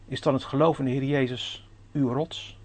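Ernstige mannelijke predikant. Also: male voice, medium pitch, fairly even intonation, normal speed, a little mellow. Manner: earnest, addresses the congregation directly with questions; reads scripture in old-fashioned formal Dutch. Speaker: preacher. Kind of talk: sermon with Bible reading.

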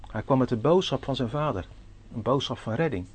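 A man's voice: medium pitch, lively intonation, brisk, breathy edge. A man preaching a sermon, earnestly putting questions to the congregation and reading scripture aloud. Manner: reads scripture in old-fashioned formal Dutch.

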